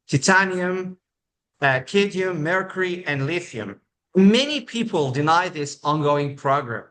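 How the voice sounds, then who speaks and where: Man from Egypt, show host, formal prepared delivery, measured, halting, higher-pitched. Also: fairly bright tone. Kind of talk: prepared introduction, formal presenting.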